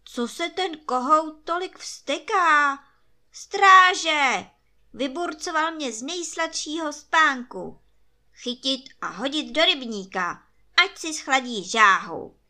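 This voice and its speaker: A woman's voice: high-pitched, animated, sharp tone, pitched above the performer's own voice, full character voice. A woman voicing a grumpy, sleep-deprived emperor in a storybook tale who barks orders at his guards. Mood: angry. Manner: barking orders.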